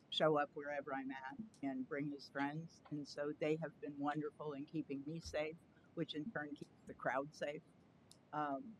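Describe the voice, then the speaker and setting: A woman activist addressing a county board at a podium, earnest and chatty, speaking loudly. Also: low voice, noisy background. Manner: earnest, chatty, self-aware of loud voice. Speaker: activist presenting a request. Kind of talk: public comment at a county meeting. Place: county board meeting chamber.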